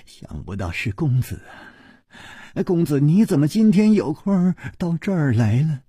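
A man's voice: a little high, big pitch swings, a little slow, dark tone, slightly rough, no room sound, clean studio sound, voice pushed up, full character voice. A man doing a fussing white-haired old woman. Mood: startled. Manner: breathless, fussing and coaxing.

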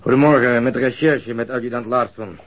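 An actor playing a stolid, pedantic police detective in a radio drama, formal, deadpan and insistent. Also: male voice, mid-range voice, fairly quick, close to an everyday voice. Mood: businesslike.

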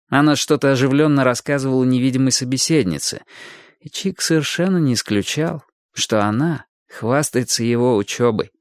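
A man narrating a literary story with expressive, lively storytelling. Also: mid-range voice, no echo, studio quality. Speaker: audiobook narrator.

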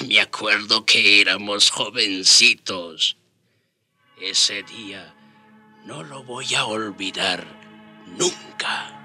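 An actor in a radio drama playing a proud, weary old indigenous man who speaks in a halting, reflective way. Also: on the low side, pushed and bright, husky, faint music behind, full character voice. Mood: nostalgic.

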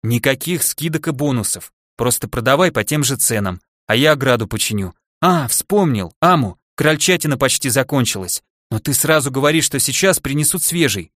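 Hoarse frazzled dwarf guy in an audiobook, a man putting him on, dry close sound. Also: medium pitch, expressive, normal speed, hardly any pauses, a bit bright, no echo, lightly acted. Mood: harried. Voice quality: hoarse, groaning. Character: exhausted hoarse male dwarf shopkeeper, harried.

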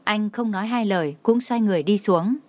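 A woman narrating a romance story in a steady, even audiobook reading. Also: mid-range voice, brisk, no room sound.

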